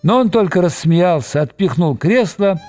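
A man reading a novel aloud as scripted narration, expressive and voicing every character himself. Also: sits high, moderate pace, faint music behind. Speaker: audiobook reader.

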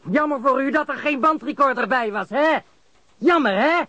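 An actor playing an agitated criminal suspect under interrogation in a radio crime drama, indignant and prone to swearing. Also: male voice, extremely high pitch, moderate pace, bright, forceful tone, no room sound. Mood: exasperated, angry.

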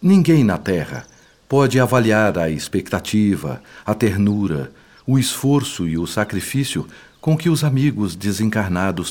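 A wise, patient spirit mentor in a Brazilian radio drama. He has a lowish voice with very lively intonation and explains things formally, with grave compassion. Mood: compassionate, fervent. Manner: didactic, formal, eloquent. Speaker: instructor.

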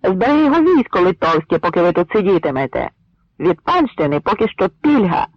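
A boisterous Cossack hurls mocking taunts in long, drawn-out shouts, voiced by a man. The voice climbs high and swings widely, with a gravelly edge. The recording is dull and dry. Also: big pitch swings, no room sound, full character voice. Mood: jeering.

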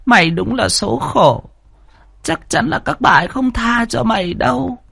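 A man's voice: very high-pitched, expressive, moderate pace, creaky, sharp tone, slightly rough, no echo, clean studio sound, pitched above the performer's own voice, full character voice. A man voicing an old nursemaid who talks bluntly and defiantly in a spoken horror story. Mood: pitying. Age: older.

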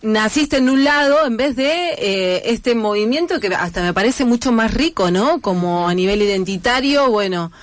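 A woman's voice: a little high, lively intonation, moderate pace, hardly any pauses, dry recording. A woman with a Rioplatense accent, speaking in an earnest, reflective way as a guest in a radio studio. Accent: Rioplatense Spanish. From Argentina. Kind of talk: casual radio conversation.

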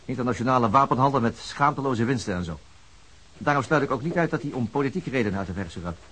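A stubborn old-hand police detective with a Dutch accent, talking bluntly and commandingly. His pitch moves a lot as he turns things over. He is a man in his fifties set in his ways. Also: expressive, quick pace, a bit bright, husky, rough recording. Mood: musing. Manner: blunt, musing, then commanding. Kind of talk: Dutch radio drama acting.

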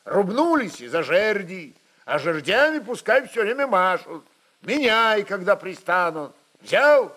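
A man's voice: sits high, very animated, a little slow, voice pushed up, full character voice. A man voicing a fierce Cossack rebel chieftain who calls out blunt battle orders in a historical story. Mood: urgent commanding. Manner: shouted, blunt, commanding.

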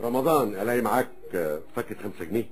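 A man's voice: on the low side, expressive, very fast, soft background music, close to an everyday voice. A man with an Egyptian accent playing a proud, brusque military officer in a radio drama. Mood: brisk, fussy.

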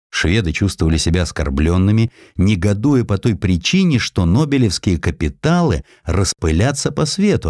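A man's voice: deep voice, a little mellow, no echo, clean studio sound. A man narrating a historical essay with theatrical, emphatic, scripted delivery.

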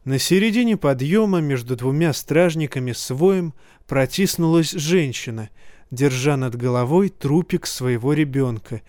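A man reading a fantasy novel aloud in a steady, measured audiobook narration. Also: medium pitch, dry recording, studio quality.

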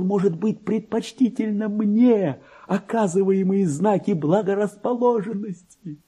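Pompous petty clerk, wildly swooping pitch. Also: male voice, warm tone, husky, exaggerated voice. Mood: brooding. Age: middle-aged. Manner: pompous, exclamatory, muttering to himself. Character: petty forty-two-year-old male clerk, vain, resentful, self-important. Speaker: actor. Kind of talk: theatrical radio play monologue, diary read aloud.

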